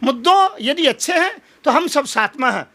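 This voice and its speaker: High-pitched, combative man. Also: animated, moderate pace, pushed and bright. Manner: combative, emphatic oratory with rhetorical challenges. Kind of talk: impassioned political interview.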